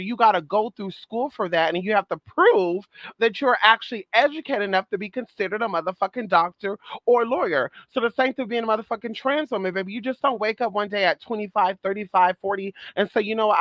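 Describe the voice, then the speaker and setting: A woman's voice: mid-range voice, a bit bright, no echo. A trans woman vlogging in a sassy, profane monologue, calling listeners girl, honey and baby and repeating phrases for emphasis. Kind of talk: casual monologue rant.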